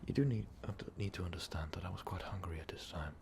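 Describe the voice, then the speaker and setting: Ancient vampire overlord, acted by a man, low-pitched, creaky fry, brooding and sadistic, halting half-whispered confession, ASMR roleplay. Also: a little hiss or hum. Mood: menacing, hungry. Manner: slow, halting confession, slipping often into whispers. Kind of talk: ASMR roleplay monologue, intimate storytelling.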